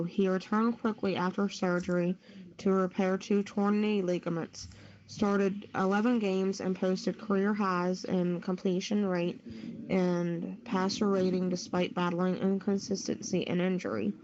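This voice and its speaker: A woman's voice: mid-range voice, a little mellow. A woman co-hosting a radio show, reading sports news aloud from a written article. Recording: dull lo-fi internet radio audio.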